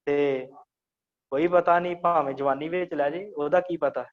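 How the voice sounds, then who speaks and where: A man's voice: on the high side, fairly even intonation. Man teaching scripture, lo-fi sound. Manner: explains slowly, repeats phrases to teach pronunciation. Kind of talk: online religious class.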